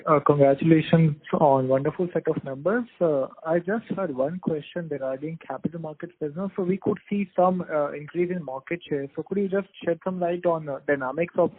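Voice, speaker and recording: A man's voice: fairly high pitch, breathy edge. A man phoning in as an investment analyst, putting courteous, tentatively phrased questions on an earnings call. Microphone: phone. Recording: narrow tinny phone line.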